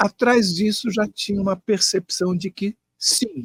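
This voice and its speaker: A man's voice is captured with a dry, close sound and no echo. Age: 60s. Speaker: physicist and near-death experience researcher. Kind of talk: interview testimony. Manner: halting, with fillers and self-corrections.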